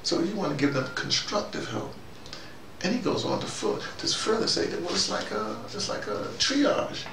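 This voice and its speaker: A man in his fifties giving a rambling spoken talk to a small group, jumping between ideas and leaping up in pitch for emphasis. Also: very animated, normal speed, creaky. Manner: digressive, with sudden rising emphasis. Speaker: commentator speaking to a small audience. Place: small room indoors. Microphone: far camera mic. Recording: roomy, distant, noisy.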